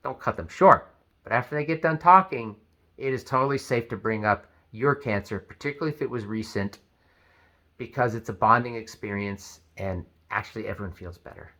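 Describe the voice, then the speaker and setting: A man talking to camera in an advice video, animated and acting out what people say. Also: medium pitch, a little fast. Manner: animated, acts out quoted speech. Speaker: vlogger.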